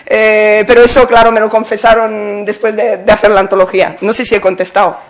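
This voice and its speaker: A woman's voice: medium pitch, flat delivery, brisk. A woman, an anthology editor, speaking hesitantly with many fillers on a poetry panel. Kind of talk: panel talk at a poetry event.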